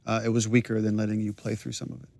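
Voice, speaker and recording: A man giving thoughtful developer commentary, pausing and restarting as he explains his choices. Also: fairly low pitch, level tone, creaky, a little mellow, a little hiss or hum. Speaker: game director giving commentary.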